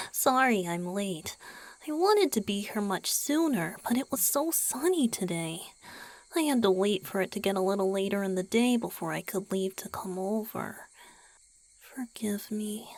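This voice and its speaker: A woman playing a gentle, doting young male vampire boyfriend in a romantic ASMR roleplay, speaking softly and tenderly, mostly in a breathy whisper. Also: medium pitch, lively intonation, measured pace, rough recording. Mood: tender, apologetic. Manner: tender, attentive, softly reassuring.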